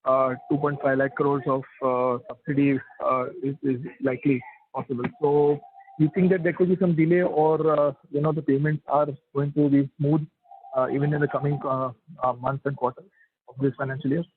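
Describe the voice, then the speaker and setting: A man's voice: mid-range voice, flat delivery, normal speed, breathy edge. A man with an Indian accent, an analyst asking polite, hesitant questions on an earnings call by phone. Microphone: telephone. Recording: thin phone-line audio.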